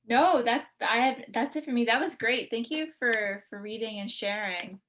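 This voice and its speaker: A woman's voice: on the high side, normal speed, a bit bright, slight background noise. A woman chatting casually as a podcast co-host. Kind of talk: casual chat.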